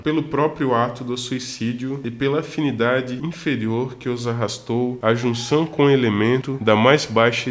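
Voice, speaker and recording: A man's voice: medium pitch, close to an everyday voice. A man voicing a solemn priest spirit. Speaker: radio novela character. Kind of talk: amateur radio drama reading.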